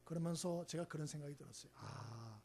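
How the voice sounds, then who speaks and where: A man's voice: a little high, fairly quick, gravelly, mellow, a little hiss or hum. A male senior pastor giving a Sunday sermon in a church, talking to the congregation in a conversational, emphatic way and often checking in with a rhetorical "eh?". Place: church sanctuary.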